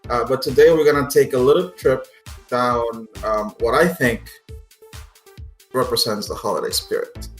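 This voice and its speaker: A man's voice: mid-range voice, normal speed. A man narrating a tabletop game casually as game master, in a playful, jokey manner. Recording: roomy echo, music behind.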